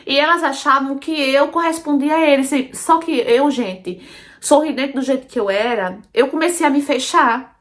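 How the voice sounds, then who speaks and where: A Brazilian woman telling her own story in a casual, chatty way, often calling out to her listeners and repeating phrases for emphasis. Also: high voice. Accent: Brazilian Portuguese. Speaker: storytelling channel host. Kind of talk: casual first-person storytelling.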